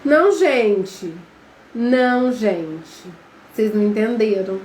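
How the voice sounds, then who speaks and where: A woman's voice: medium pitch, slow, darkish tone. A Brazilian woman teaching a live online class, chatty and quizzing her viewers. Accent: Brazilian Portuguese. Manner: chatty, addresses viewers as gente, quizzes them. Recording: echoey room with faint background noise.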